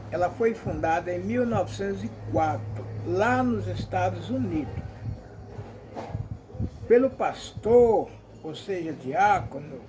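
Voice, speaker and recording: A man's voice: sits high, background noise. A Brazilian man giving an emphatic, repetitive commentary monologue, often calling out to his listeners.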